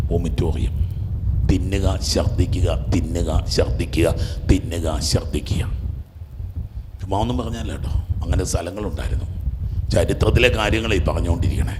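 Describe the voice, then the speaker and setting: A Catholic priest, preaching a fervent call-and-response sermon, repeating phrases, leading the crowd in shouts, and dropping to a hush. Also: male voice, sits low. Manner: repetitive, urges the crowd to shout back, swings from loud to hushed. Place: large church. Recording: echoey church hall with background noise.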